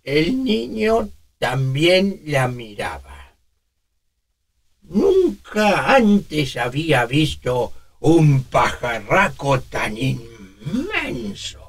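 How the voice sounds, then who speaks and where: Very old man, frail storyteller, trembling, breathy, whistling teeth, very slow with long pauses. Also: fairly high pitch, wildly swooping pitch, exaggerated voice. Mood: solemn.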